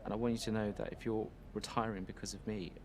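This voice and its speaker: An actor playing an anxious young racing driver who speaks softly and hesitantly in a video game cutscene. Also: male voice, fairly low pitch, little pitch movement, fast, noisy background, natural voice. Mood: apologetic. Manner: hesitant, soft-spoken.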